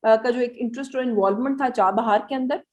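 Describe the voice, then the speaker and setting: A woman journalist with a Pakistani accent giving political news analysis in a halting, explanatory way, mixing in English words. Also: fairly high pitch, a little mellow.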